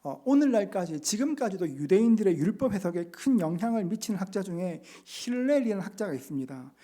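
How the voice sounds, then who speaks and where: Man preaching in a church, mellow tone, earnest, slow scripture readings. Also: high voice, big pitch swings. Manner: earnest, slows to read scripture and act out quotes. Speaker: pastor. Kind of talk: sermon. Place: church sanctuary.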